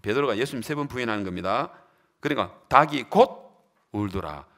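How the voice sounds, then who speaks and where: A man's voice: medium pitch, lively intonation, a little fast, sharp tone. A man pastor preaching a sermon, asking the congregation questions and acting out the quotes he reads. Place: church.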